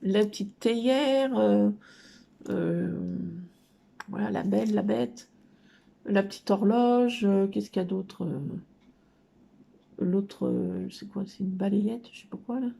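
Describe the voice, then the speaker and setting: Her voice is mid-range, gravelly and warm, slow with long pauses. A middle-aged woman at home indoors, she casually shows off her craft haul in a hesitant show-and-tell chat filled with fillers.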